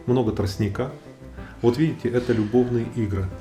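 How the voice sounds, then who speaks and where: A man giving a calm, explanatory nature commentary. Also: mid-range voice, brisk. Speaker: narrator of a nature video. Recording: roomy echo, faint music behind.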